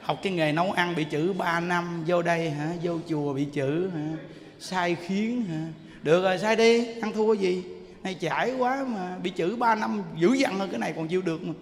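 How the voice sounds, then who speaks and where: Man, monk giving a dharma talk, exclaiming, long hall reverb. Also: high voice. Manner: animated, exclaiming, quick shifts between loud and soft. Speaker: monk preacher.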